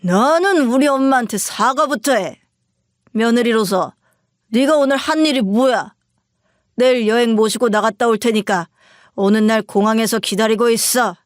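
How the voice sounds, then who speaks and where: A woman voicing a drunk, arrogant husband who shouts and orders his wife around in a narrated story. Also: fairly high pitch, moderate pace, no echo, studio quality, natural voice. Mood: drunk belligerent.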